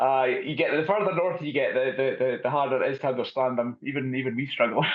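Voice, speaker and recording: Over noticeable background noise, a man with a slight Scottish accent talks very fast at a medium pitch with ordinary pitch variation. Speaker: gym owner and coach. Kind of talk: interview. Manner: halting, many fillers and repeats.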